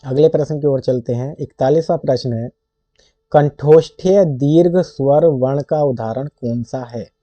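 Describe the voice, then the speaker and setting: A man tutoring for a Hindi exam who reads quiz questions and options slowly, then states the answer, recorded close up in a dry room with dull lo-fi sound. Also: medium pitch, warm tone, dry recording.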